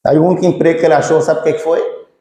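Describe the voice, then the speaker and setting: Northeast preacher telling a story, casual and lively, echoey church hall. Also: male voice, a little high, rapid-fire. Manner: lively, colloquial, addresses congregation by name. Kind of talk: storytelling sermon.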